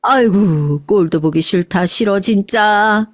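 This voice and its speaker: A woman's voice: medium pitch, slow pace, no echo. A bitter old grandmother, played by a woman narrator, scolding and cursing with open scorn. The voice is dry and close, as in an audio story drama. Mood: scornful scolding.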